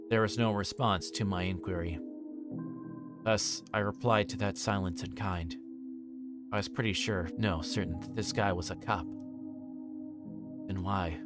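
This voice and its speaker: A man with a fairly low voice reads story text aloud as a game streamer. He sometimes trips on a phrase and goes back over it. Music plays clearly behind him. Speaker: livestreamer playing a visual novel. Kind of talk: reading visual novel narration and dialogue aloud.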